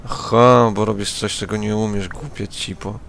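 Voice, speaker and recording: A man's voice: lowish voice, fairly even intonation, normal speed, gravelly, fairly bright tone, a little hiss or hum. A young man with a Polish accent giving sarcastic, profane let's-play commentary as he plays a game. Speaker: gaming YouTuber.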